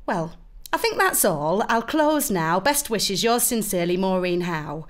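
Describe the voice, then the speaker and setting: A fussy British mother acted by a woman voices a polite letter of complaint. She is prim and mildly reproachful, with a mid-pitched voice, as in a comic dramatic monologue. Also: big pitch swings, unhurried. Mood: prim, aggrieved. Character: fussy, politely aggrieved mother writing to school.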